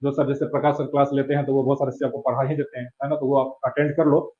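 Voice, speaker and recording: Male exam-coaching teacher at a middle pitch, chatty lecture style that keeps checking in students, slightly dull recording. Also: little pitch movement, fast, mellow. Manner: conversational, keeps asking "है ना?".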